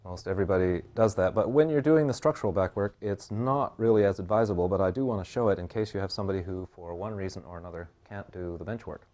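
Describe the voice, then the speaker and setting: A man teaching a hands-on bodywork class, explaining each step calmly and guiding his client's breathing slowly. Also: deep voice. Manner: calm, measured explanation with slow guiding instructions. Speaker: bodywork instructor.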